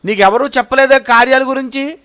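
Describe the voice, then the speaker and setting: Very high-voiced man preaching a sermon. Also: brisk, fairly bright tone. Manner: repetitive, questioning the listeners directly. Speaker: pastor.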